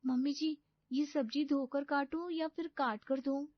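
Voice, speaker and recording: A woman's voice: sits high, steady tone, normal speed, dry recording, pitched above the performer's own voice, close to an everyday voice. Clueless young bride, voiced by a woman. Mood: naive. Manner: nervous, naive, soft. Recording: dull lo-fi dry recording.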